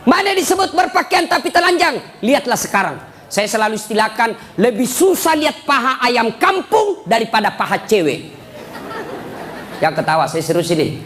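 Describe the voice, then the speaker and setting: A man preaching a comic sermon at a live gathering, joking and often shouting. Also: very high voice, very animated, normal speed, some chatter behind. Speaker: Islamic preacher. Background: audience laughter.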